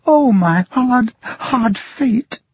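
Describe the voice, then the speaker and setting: Tearful young blind girl, high and breathy, put on by a male reader, muffled dry recording. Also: darkish tone, no echo, full character voice. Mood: anguished. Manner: trembling, pleading, high and slow.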